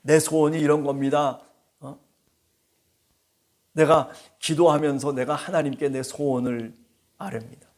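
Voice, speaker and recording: A middle-aged male pastor giving a dawn-prayer sermon in a gentle, conversational way, often checking in with his listeners and speaking the quoted lines himself. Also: mid-range voice, gravelly. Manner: gentle, conversational preaching with frequent "예" and "그죠?"; voices God and believers in quoted speech.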